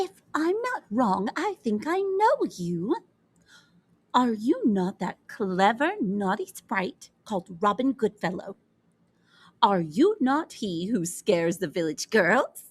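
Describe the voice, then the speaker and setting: A sing-song, put-on character voice from a woman, fairly high in pitch and at a fairly slow pace. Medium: read story. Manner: singsong, rhyming.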